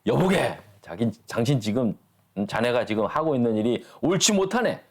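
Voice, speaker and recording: A man voicing an elderly father-in-law who gently scolds in old-fashioned fatherly speech. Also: mid-range voice, sing-song, normal speed. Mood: scolding.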